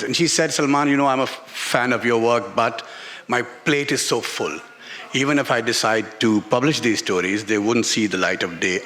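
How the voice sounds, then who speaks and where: A man's voice: mid-range voice, fairly bright tone. Reflective man telling a personal story. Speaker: author, festival guest speaker. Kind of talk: candid personal storytelling at a live book talk. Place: literature festival stage before an audience.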